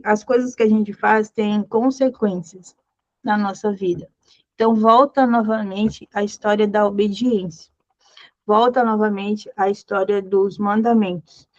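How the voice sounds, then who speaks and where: A woman's voice: mid-range voice, a little mellow, no echo, lo-fi sound. A woman leading a Bible study, encouraging her listeners with repeated phrases and reading scripture aloud. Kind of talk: devotional teaching.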